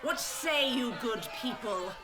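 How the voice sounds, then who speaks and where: A woman plays a villainous female village elder in an audio drama. She orates slowly and formally, with imperious theatrical menace. Loud outdoor ambience surrounds her. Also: on the high side, lively intonation, very noisy. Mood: rousing.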